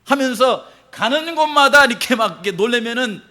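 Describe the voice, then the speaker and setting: A middle-aged man preaching a sermon as pastor, animated, acting out quoted reactions and laughing often. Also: very high-pitched, brisk.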